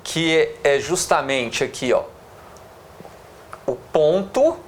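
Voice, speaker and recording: Speaking slowly in a fairly high voice with big swings in pitch, a man with a Brazilian Portuguese accent lectures a class on punctuation. He works through it step by step, stretching words while writing on the board and peppering in "tá?" and "né?"; a faint hiss or hum runs underneath.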